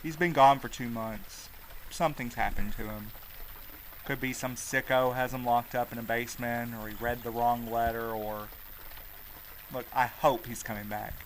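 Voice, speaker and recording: A man's voice: medium pitch, fairly even intonation, normal speed, a little hiss or hum, natural voice. Blunt, anxious young man played by an actor. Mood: somber, guarded. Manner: blunt, snappy. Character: sardonic, anxious young married man, loyal. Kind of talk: audio drama acting.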